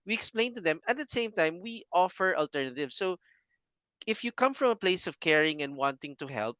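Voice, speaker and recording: A man's voice: high-pitched, expressive, a little fast, sharp tone, no room sound, highs cut off. A man, a banking guest earnestly explaining sales in a casual interview.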